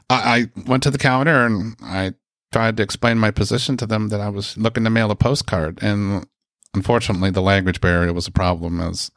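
A man from the States tells a story in a loose, chatty way, full of fillers and side tangents. His voice sits fairly low. The recording is dry and close, with almost no room sound. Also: fairly bright tone, dry recording. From United States. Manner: rambling, chatty, lots of fillers and asides. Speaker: speaker sharing a personal story. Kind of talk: casual storytelling.

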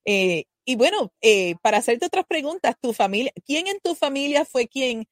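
A woman's voice: high-pitched, very animated, moderate pace, no echo, clean studio sound. A woman hosting a live talk show interview, introducing her guest and asking questions with effusive praise. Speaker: host.

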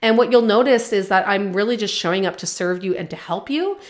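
A woman hosting a solo business-coaching podcast, talking bluntly and with animated energy, swearing casually as she coaches her listeners. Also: mid-range voice, brisk.

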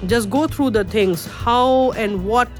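A middle-aged guest artist from India, a native Urdu speaker, talks in a casual interview, halting often with fillers and restarts. Her voice is on the high side, with faint music in the background.

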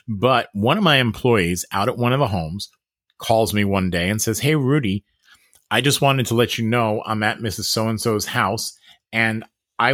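A man's voice: fairly low pitch, a bit bright, no room sound, studio quality. A man co-hosting a podcast with casual banter and stories, in a joking, bluntly wry manner. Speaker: podcast co-host.

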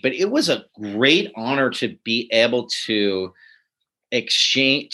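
Man chuckling through animated stories. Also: medium pitch. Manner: animated, chuckling, many restarts. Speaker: comedy writer and teacher. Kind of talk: casual interview storytelling.

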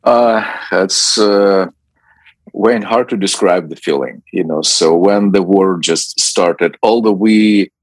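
Man, middle-aged, deep voice, dry close sound, halting interview answers. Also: no room sound, low-quality recording. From Ukraine. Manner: hesitant, many fillers and restarts. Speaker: ministry president, guest. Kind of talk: radio interview.

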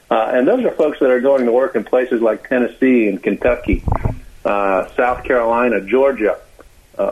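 An American man explaining as a radio interview guest, calling in, with halting speech full of uhs and repeated words. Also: fairly low pitch, husky. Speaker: interview guest, clean energy expert. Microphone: phone call. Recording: tinny, narrow phone line.

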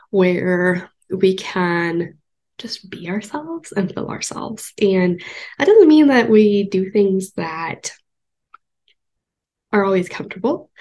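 Congested young woman podcast host with a husky, gravelly voice, musing aloud and pausing often. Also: mid-range voice, a little mellow. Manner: thoughtful, rambling, many ums and pauses. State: congested from a cold. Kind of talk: casual solo podcast talk.

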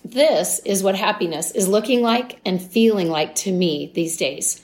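A woman, a life wellness coach, hosting a podcast in a calm, gently encouraging, measured way. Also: medium pitch. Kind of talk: scripted podcast monologue.

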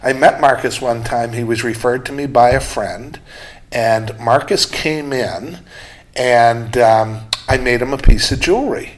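Male host, mid-pitched, emphatic storyteller, casual. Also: a little slow. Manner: chatty storyteller, candid and emphatic. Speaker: jeweler and show host. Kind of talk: casual podcast chat.

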